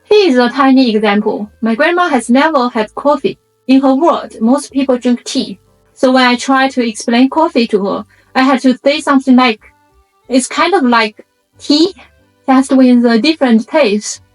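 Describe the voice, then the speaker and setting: A woman with a fairly high voice and a Chinese accent, a native speaker of a Chinese dialect, narrates a reflective essay. She explains in measured short phrases, with music playing behind her. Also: low-quality recording. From China. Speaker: video essay host.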